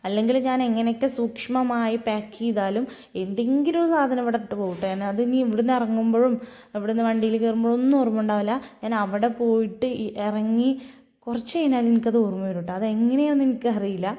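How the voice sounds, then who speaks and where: A woman's voice: a little high, quick pace, dark tone. A young woman, telling her day in a chatty, storytelling vlog voice-over. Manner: chatty, storytelling, frequent tag "ട്ടോ". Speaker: vlogger.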